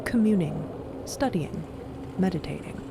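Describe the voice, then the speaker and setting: Lowish-voiced woman narrating fiction. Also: expressive, a little slow, gravelly, heavy background noise. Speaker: podcast narrator. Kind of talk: improvised story narration.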